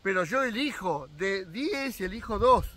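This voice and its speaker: Older Argentine man, 60s, fishing vlogger; bright, animated, opinionated straight-to-camera talk. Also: high-pitched, normal speed. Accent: Argentine Spanish. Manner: opinionated, talks straight to viewers. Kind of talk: casual opinion monologue. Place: outdoors on his own rural land.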